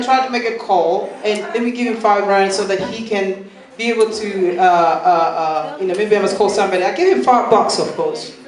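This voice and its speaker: A young man from Malawi doing a halting, rambling stand-up set, laughing at his own jokes, recorded at a live venue. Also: high voice. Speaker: stand-up comedian. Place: live comedy venue with audience. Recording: echoey room, far from mic, crowd noise.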